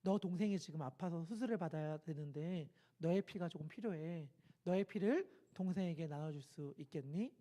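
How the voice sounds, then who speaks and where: A man voicing a kindly male doctor who speaks softly and warmly to a young boy. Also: on the high side, normal speed, pitched below the performer's own voice, lightly acted. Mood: gentle. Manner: soft and warm.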